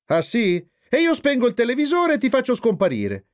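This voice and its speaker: A man's voice: very high-pitched, wildly swooping pitch, normal speed, voice pushed up, exaggerated voice. A man doing a cheeky teasing little boy. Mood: taunting. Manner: taunting, triumphant.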